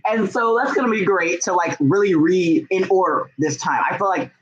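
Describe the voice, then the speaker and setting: A young man chatting casually on a livestream as a book vlogger, gushing and excitable, with slangy phrasing full of "like" and "y'all". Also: high-pitched, normal speed, dull audio. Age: young adult.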